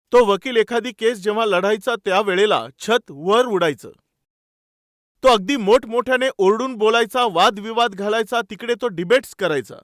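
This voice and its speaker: A man's voice: high-pitched, fairly bright tone, no room sound, clean studio sound. A man preaching a sermon, reading scripture and telling stories to his dear brothers and sisters. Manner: tells stories and reads scripture aloud.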